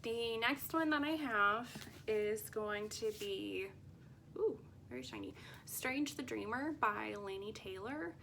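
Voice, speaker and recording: A woman's voice: fairly high pitch, sing-song, slow pace, gravelly, a bit bright, slight background noise. A woman book vlogger talking casually to viewers in a chatty, rambling and often unsure way.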